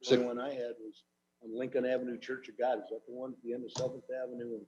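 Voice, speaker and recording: A man's voice: medium pitch, little pitch movement, racing, mellow, muffled recording, a little hiss or hum. A man on a county committee asking casual questions in a meeting. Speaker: committee member. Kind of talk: meeting discussion.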